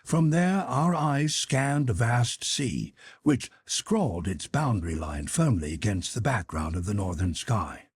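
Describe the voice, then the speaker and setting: A man narrating a classic adventure novel as an audiobook, reading in a measured, enunciated storytelling manner. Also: on the low side, sing-song, slightly rough.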